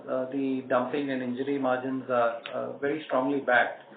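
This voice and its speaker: A man answering questions as a company executive on an earnings call, halting and repeating words. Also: mid-range voice, level tone, gravelly. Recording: echoey, noisy narrowband phone line.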